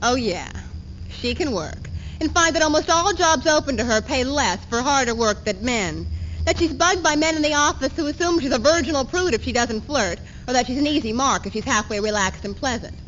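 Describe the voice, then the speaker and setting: A dull, slightly noisy 1970s tape carries a high female voice of a stage reader acting. She is an earnest, defiant woman in a readers theater piece, declaiming each statement with emphasis. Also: expressive, a little fast, fairly bright tone. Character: earnest, defiant woman, one self of a divided woman.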